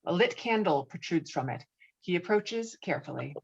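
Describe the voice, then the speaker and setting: A woman's voice: lowish voice, expressive, moderate pace, creaky, husky. A woman reading scripted stage directions as narrator at a table read, slightly muffled as on a video call.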